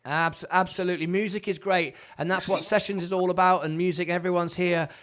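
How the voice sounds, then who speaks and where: A chatty male host running a live call-in show, talking in a high, light voice. He rattles on, repeats phrases and trips over his words as he keeps things moving. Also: steady tone, fairly quick, a bit bright, smooth. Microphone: video call.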